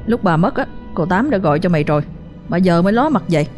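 A harsh, bullying older brother, as a woman tells it fires off rapid, contemptuous scolding in a low, even voice. He sounds relentless and domineering, with soft music beneath. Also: close to an everyday voice.

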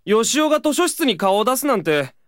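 Actor playing a wildly animated, skeptical schoolboy. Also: medium pitch, fairly quick, no echo, clean studio sound, close to an everyday voice. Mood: incredulous, teasing. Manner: blunt, incredulous boyish slang. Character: teasing, skeptical teenage schoolboy friend. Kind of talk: Japanese audio drama acting.

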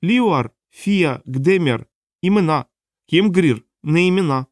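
A tiny, shy, black-faced creature speaks in eager, halting short words, as a male narrator puts him on. The voice sits high and bright above the reader's own. The recording is dry and close. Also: lively intonation, no room sound.

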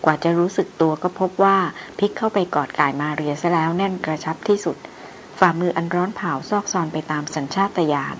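A woman narrator reading a novel aloud in a steady, even storytelling manner. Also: fairly low pitch, brisk, slight background noise, rough recording. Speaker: audiobook narrator.

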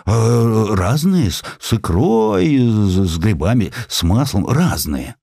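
A man's voice: lowish voice, very animated, takes it slowly, vocal fry, warm tone, slightly rough, no room sound, clean studio sound, exaggerated voice. A man voicing a flustered, servile messenger who stammers and hesitates deferentially in a dramatised audiobook.

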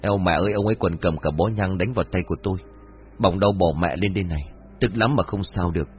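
A man's voice: low-pitched, fast, natural voice. A man voicing a frightened, superstitious young village man who stammers when scared. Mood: agitated. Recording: dull lo-fi audio with faint music.

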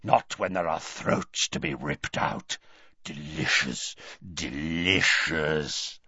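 A man voicing a savage werewolf with a rasping bark, slow and leering, in a dull, dry recording. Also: very deep voice, sharp tone, no echo, voice pushed down, full character voice. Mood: menacing.

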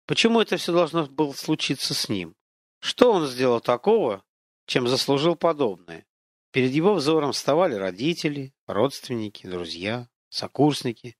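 A man narrating an audiobook in an expressive, dramatic storytelling manner. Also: mid-range voice, moderate pace, no echo, studio quality.

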